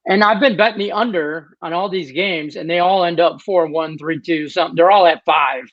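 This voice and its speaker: A man's voice: a little high, normal speed, no echo. Blunt wisecracking man, dull dry mic. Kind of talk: casual betting talk.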